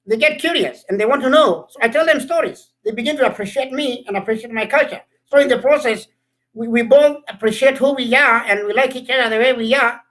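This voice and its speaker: A man's voice: extremely high pitch, brisk, a bit bright, low-quality recording. A middle-aged man from Kenya, a scholar answering interview questions earnestly, often repeating words as he builds a point. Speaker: guest scholar.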